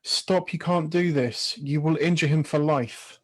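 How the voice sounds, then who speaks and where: A man's voice: a little high, measured pace. A man playing an eager wrestling character in an amateur staged reading of promos. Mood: pleading.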